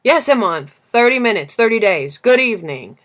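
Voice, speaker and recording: A woman's voice: fairly high pitch, very animated, moderate pace, fairly bright tone, voice pushed up. A woman voicing a weary, complaining lamplighter in a storybook, bound by orders, with a clipped, emphatic manner. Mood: exasperated. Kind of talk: storybook character reading.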